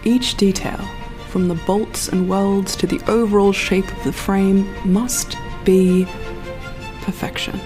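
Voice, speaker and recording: Female, actor as self-assured perfectionist spaceship designer, lofty audio-drama monologue, medium pitch. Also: level tone, takes it slowly, over music, close to an everyday voice. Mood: proud, fussy. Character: proud, dreamy, perfectionist artist designing a spaceship.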